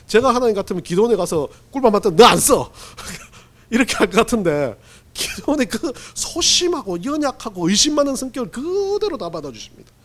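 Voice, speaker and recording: A man preaching a sermon as pastor, telling stories in an animated, humorous way and acting out quotes. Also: high voice. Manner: animated storytelling with acted-out quotes; humorous, laughs while preaching.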